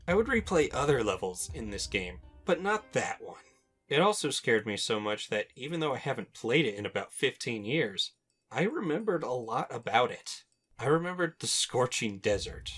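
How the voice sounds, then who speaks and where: A man's voice: mid-range voice, fairly bright tone. A young adult man hosting a video game countdown with informal, personal commentary and wry asides. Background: music.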